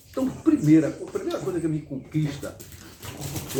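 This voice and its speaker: The speaker is a man talking at a moderate pace. There is noticeable background noise. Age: 70s. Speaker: radio host. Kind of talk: casual chat. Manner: animated.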